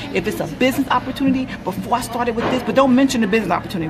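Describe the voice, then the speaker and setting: A woman with a New York accent speaks in an animated tone, with audible room echo and music playing in the background. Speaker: online business coach. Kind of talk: motivational live stream coaching. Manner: animated, repetitive.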